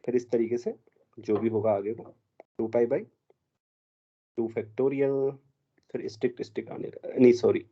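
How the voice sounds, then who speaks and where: A man's voice: medium pitch, flat delivery, unhurried, pauses often, warm tone, highs cut off. A man teaching an exam math problem in a classroom, mixing Hindi with English math terms and quizzing his students.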